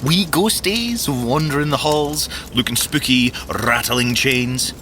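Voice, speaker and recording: An actor playing an excitable, grumbly young male tech-genius agent with a Scottish accent and a wry, geeky manner in an audio drama. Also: mid-range voice, takes it slowly, slight background noise. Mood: awed, wry. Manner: expressive, wry, boyishly geeky. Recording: music under the voice.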